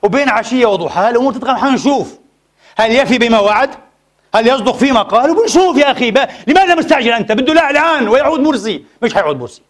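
A man's voice: extremely high pitch, expressive, very fast. A man preaching a Friday sermon in a mosque, impassioned and full of rhetorical questions to the congregation.

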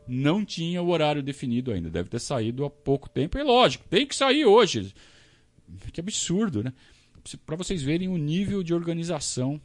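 A Brazilian man hosting a casual live stream, talking to his audience in an animated, ranting way. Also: fairly high pitch. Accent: Brazilian Portuguese. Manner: animated, talks to the audience, rants and self-questions. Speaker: podcast host reading superchats. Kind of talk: casual live-stream chat about football.

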